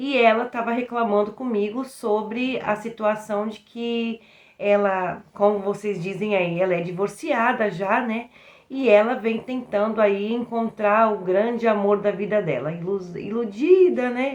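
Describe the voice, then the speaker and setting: A woman speaks fairly slowly in a normal speaking voice. Her pitch is fairly high, with ordinary pitch variation. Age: 40s. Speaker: relationship vlogger. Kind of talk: casual vlog storytelling.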